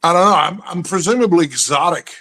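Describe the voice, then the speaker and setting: Man, East Texas drawl, high lively voice, boastful and joking, casual call. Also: fairly quick. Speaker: guest. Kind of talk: casual chat.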